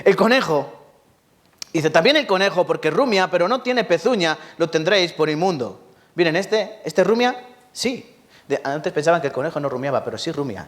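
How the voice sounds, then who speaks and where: A Spanish pastor preaches a Sunday sermon, his voice sitting a little high for a man. He repeats words for emphasis and throws questions to the congregation, with frequent laughs. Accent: Spain Spanish. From Spain. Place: church.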